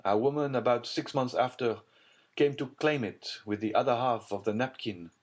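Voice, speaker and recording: The narrator takes on the role of a secretive, middle-aged prosecutor full of grim despair, his tone grave, urgent and confiding. He uses a natural, medium-pitched voice with a darkish tone at normal speed.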